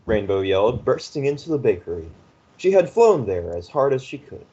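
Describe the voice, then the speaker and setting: A man narrating a fanfiction story aloud in a steady, measured way. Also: medium pitch, dull audio.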